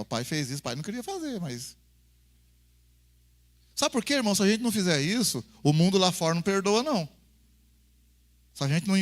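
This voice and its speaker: A high-sitting, fairly bright male voice belongs to a pastor with a Brazilian accent. He preaches in a relaxed, folksy manner, calling everyone "brother" and performing little family dialogues.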